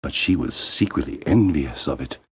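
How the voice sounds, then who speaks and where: A man narrating a bedtime fairy tale as a storyteller, in a measured, expressive and deliberate way. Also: very deep voice, husky, no echo.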